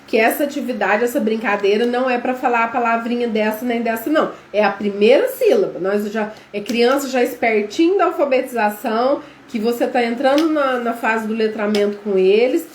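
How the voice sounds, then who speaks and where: A Brazilian woman teaches a live online class, her voice on the high side, a little fast, with hardly any pauses. Chatty, with a Brazilian Portuguese accent, she calls her viewers "gente" and quizzes them. The room is echoey, with faint background noise.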